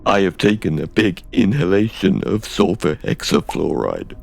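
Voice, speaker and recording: A man voicing a hungover male frog puppet in a put-on, very deep voice, as if he had breathed in a heavy gas. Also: very animated, gravelly, darkish tone, soft background music, full character voice. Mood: mock deep. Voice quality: very low and slow, put-on. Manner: mock-drawling impression, breaking into laughs between lines. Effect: voice made very deep as if from breathing in heavy gas. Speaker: game streamer. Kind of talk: casual live-stream joking.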